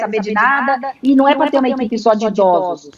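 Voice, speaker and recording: Noticeable background noise sits behind a woman's high-pitched voice. She speaks at a moderate pace with lively intonation. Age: 60s. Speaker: headhunter and speaker. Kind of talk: podcast interview.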